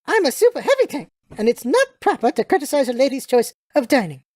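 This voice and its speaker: Woman putting on a haughty posh young lady, high-pitched. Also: sing-song, quick pace, a little mellow, no echo, studio quality. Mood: indignant. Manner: prim, imperious, old-fashioned genteel phrasing. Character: haughty young lady super heavy tank, posh and indignant.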